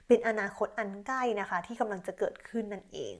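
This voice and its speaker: A Thai woman teaching a French lesson, slowly reading out model sentences and explaining each one politely. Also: mid-range voice. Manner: slow, drawn-out model sentences, polite particles. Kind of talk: language lesson explaining verb conjugation.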